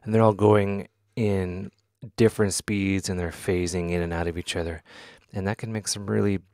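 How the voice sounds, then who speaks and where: Deep, gravelly-voiced man giving a tutorial. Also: steady tone, a little mellow, dry recording, clean studio sound, soft background music. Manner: halting, thinking aloud as he demonstrates. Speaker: tutorial host. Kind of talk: casual software tutorial talk.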